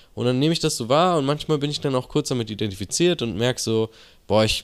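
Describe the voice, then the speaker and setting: Very clean with a silent background, this recording holds an ordinary speaking voice. It moves at a fairly quick pace with lively intonation. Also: man. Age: 20s. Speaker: wellness podcast host, yoga teacher. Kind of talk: casual monologue. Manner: casual, filler-heavy speech.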